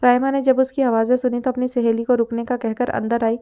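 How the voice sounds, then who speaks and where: Female audiobook narrator, smooth, slightly high, narrow phone-like recording. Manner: steady storytelling read. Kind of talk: scripted novel narration.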